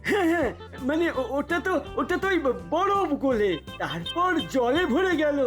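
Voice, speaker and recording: A man's voice: very high voice, sing-song, normal speed, fairly bright tone, faint music behind, heavily acted. A man voicing a shifty, whining market cheat in a comic cartoon, repeating himself defensively. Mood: defensive, flustered. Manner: defensive, stammering repetitions.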